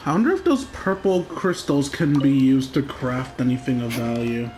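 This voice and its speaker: A man's voice: mid-range voice, animated, normal speed, a little mellow, slight background noise. A young man giving casual, sarcastic gameplay commentary, talking to himself and swearing now and then.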